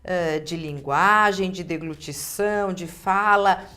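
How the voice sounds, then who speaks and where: A woman's voice: on the low side, slow, bright, forceful tone. A Brazilian woman speaking as a guest dentist, explaining clinical practice conversationally and restating phrases for emphasis.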